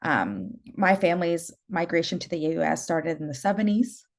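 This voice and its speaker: A young adult woman from El Salvador, speaking on a panel as a community organizer. Her voice is low and gravelly, and she talks thoughtfully, pausing often with fillers. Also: big pitch swings. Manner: thoughtful, hesitant with frequent fillers. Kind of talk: panel discussion.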